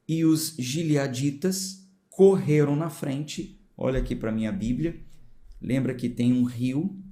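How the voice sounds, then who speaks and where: A man's voice: mid-range voice, dark tone. A man from São Paulo with a São Paulo accent, a pastor reading the Bible aloud and explaining it in a conversational way with informal asides to his viewers. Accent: São Paulo Portuguese. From São Paulo, Brazil.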